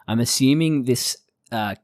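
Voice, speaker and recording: A woman's voice: rumbling low, a little slow, darkish tone, no room sound, studio quality. A woman co-hosting a podcast, chatting casually about an anime episode and dropping jokey asides. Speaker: podcast co-host. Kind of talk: casual chat recapping an anime.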